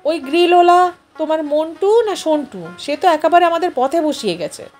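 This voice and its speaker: A fussy middle-aged wife played by a woman storyteller scolds and complains in a high, animated voice. She is indignant and quick to nag, in audio-story style over background music. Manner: nagging, complaining. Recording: music behind the voice.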